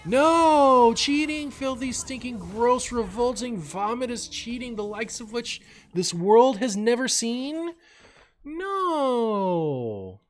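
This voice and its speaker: A man playing an outraged, pompous sore loser with hammy, drawn-out indignation. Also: very high-pitched, very animated, voice pushed up, exaggerated voice. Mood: mock outrage. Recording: faint background noise.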